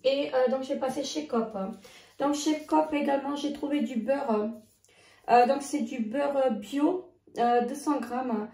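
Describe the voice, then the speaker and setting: A woman, losing her voice, chatting casually through a grocery haul with many halting fillers and restarts. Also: sits high, fairly even intonation, warm tone, recorded from a distance. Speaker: vlogger. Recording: echoey room, voice off-mic.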